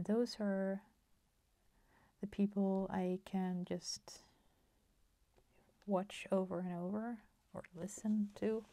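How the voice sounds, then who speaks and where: A Swedish woman in her forties with a Swedish accent, chatting softly at her craft table with many fillers and half-whispered asides. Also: fairly low pitch, creaky, no room sound. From Sweden. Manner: soft-spoken, slips into whispers, many fillers. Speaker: crafting channel host. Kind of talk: casual chat while crafting. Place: home craft table, indoors.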